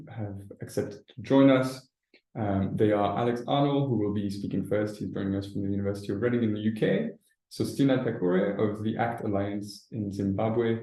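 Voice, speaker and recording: A man's voice: lowish voice, warm tone. A man moderating an online session, introducing speakers hesitantly with many fillers over a video call. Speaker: webinar moderator. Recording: echoey room on a video call.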